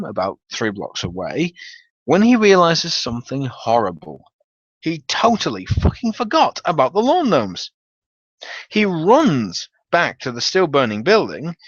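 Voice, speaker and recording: A man's voice: mid-range voice, a bit bright, dry recording, muffled recording. A man giving a dramatic reading of a comic tabletop-game story, with theatrical, wry emphasis. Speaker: narrator.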